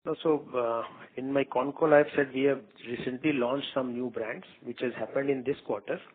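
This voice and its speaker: A man with an Indian accent speaking as a company executive, answering questions off the cuff in a halting, repetitive way. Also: medium pitch, fairly even intonation, slightly rough. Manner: halting, repeats words and phrases. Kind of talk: unscripted business conference call answers. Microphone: phone conference call. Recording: muffled tinny conference phone line.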